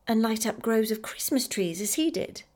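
A woman voicing an excitable little girl full of wonder, speaking high and breathless in a storybook reading. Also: moderate pace, lightly acted. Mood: sorrowful.

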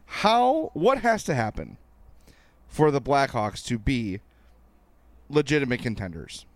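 A man's voice: medium pitch, very animated, a little slow, no room sound. A man co-hosting a casual sports podcast, talking in a wry, joking manner. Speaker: podcast co-host.

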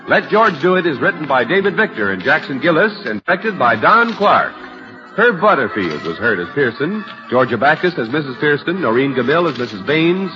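A man's voice: a little high, muffled recording. A man speaking as an old-time radio announcer, reading scripted sponsor copy and credits in a formal, emphatic way. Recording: band-limited old radio broadcast with music.

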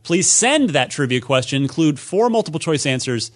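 A man's voice: a little high, very animated, moderate pace. A man hosting a casual gaming panel show, talking in a teasing, conversational way. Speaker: podcast host and quizmaster.

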